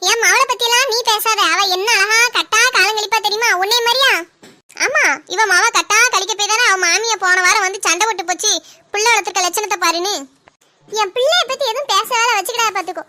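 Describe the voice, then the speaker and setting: A woman plays a sharp-tongued mother-in-law who nags in a very high, bright voice. She talks fast and runs from mockery into loud self-pitying wails. It is a comic family skit. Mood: scolding.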